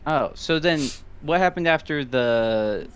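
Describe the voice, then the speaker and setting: A man's voice: a little high, expressive, takes it slowly, clean tone. A man co-hosting a podcast in casual chat, asking questions and hesitating as he thinks. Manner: inquisitive, hesitant, asks questions. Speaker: podcast co-host.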